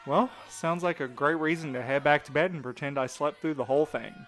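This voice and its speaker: A man's voice: a little high, a little fast, fairly bright tone, slight background noise, low-quality recording. A man playing a weary, cynical night-shift worker in an audio drama, complaining with dry sarcasm. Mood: weary, exasperated. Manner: sardonic, complaining. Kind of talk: audio drama dialogue, conversational.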